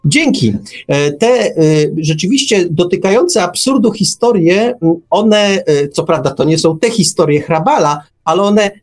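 A man's voice: sits high, expressive, measured pace. A man hosting a radio talk show, speaking thoughtfully with frequent hesitations. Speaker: radio host.

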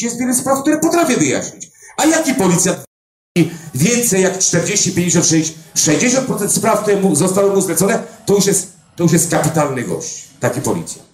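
An older man who finds missing people, telling a story to a live audience with emphatic, animated delivery and dramatic pauses. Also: sits high. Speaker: clairvoyant body finder. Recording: roomy echo.

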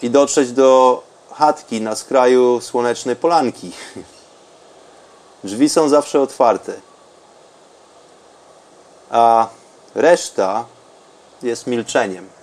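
A man speaking in a calm, unhurried, soothing way with long pauses, as a podcast host and meditation guide. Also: mid-range voice.

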